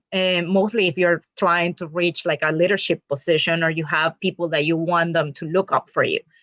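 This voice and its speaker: A woman with a Venezuelan accent, fairly low pitch and monotone, flat intonation, in a dry, close sound with no echo over a quiet background. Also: moderate pace, hardly any pauses. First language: Spanish. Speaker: co-host assistant. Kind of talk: live stream Q&A chat. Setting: online live stream.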